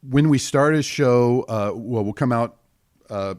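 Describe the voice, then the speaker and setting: A middle-aged man with a deep voice, an improv performer and teacher talking casually in a podcast interview, often acting out bits of scenes. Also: no echo, clean studio sound. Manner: animated, acts out quick bits of scenes with laughs.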